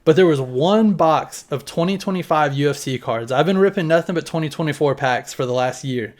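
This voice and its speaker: This man, in his thirties, talks loosely to the camera at home while showing off the collection displayed in the room, occasionally swearing. His voice is a little high and brisk.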